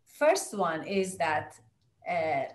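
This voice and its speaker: A woman from Iran with a Persian accent, answering interview questions conversationally and haltingly as she searches for English words. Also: on the low side, sing-song. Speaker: interview guest, playwright and screenwriter. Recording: echoey room sound.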